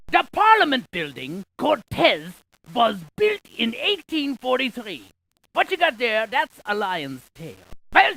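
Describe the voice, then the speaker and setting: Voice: mid-range voice, vocal fry, bright, forceful tone, heavily acted, low-quality recording. An actor voicing a chatty scientist in an educational video game, sharing trivia with folksy, quippy asides. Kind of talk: scripted educational video game character dialogue.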